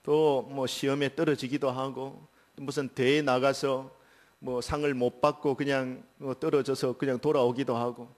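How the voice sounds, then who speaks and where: A middle-aged man, preaching a sermon as pastor in a church and building to loud, high emphasis. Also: flat delivery, normal speed. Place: church sanctuary.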